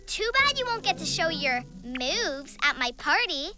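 A performer voicing a gloating, mischievous young villain girl in a cartoon, with a taunting, smug, drawn-out delivery. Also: high voice, sing-song. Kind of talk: animated cartoon voice acting. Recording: loud children's music underneath.

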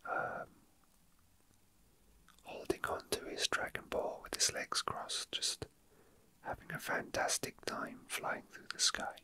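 A man whispers in a casual ASMR style, soft and full of breath, with the mic very close. As an ASMR video host, he talks off the cuff with halting delivery.

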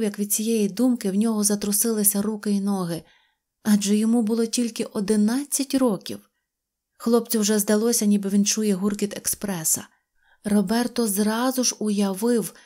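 A woman reading an audio fairy tale in an expressive storytelling manner. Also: mid-range voice, moderate pace. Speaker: narrator.

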